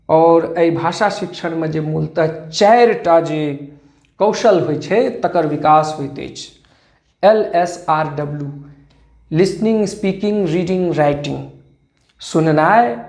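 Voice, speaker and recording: A man giving an educational lecture on language teaching, measured and listing terms one by one. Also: high voice. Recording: roomy echo.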